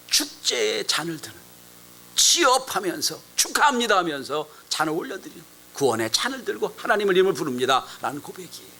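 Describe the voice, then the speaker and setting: A man preaching a sermon as a pastor, telling a story with sudden loud, emphatic rises and hushed drops. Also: sits high, poor audio.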